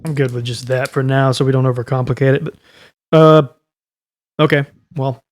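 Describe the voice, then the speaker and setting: A man's voice: mid-range voice, fairly even intonation, normal speed. A man running a tabletop game, narrating off the cuff and thinking aloud as he makes rulings. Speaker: game master.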